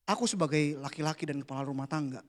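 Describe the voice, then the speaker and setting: A man, preaching a casual, playful youth sermon that drops to a hush for the prayers. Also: fairly high pitch, fast. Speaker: youth pastor. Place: church hall.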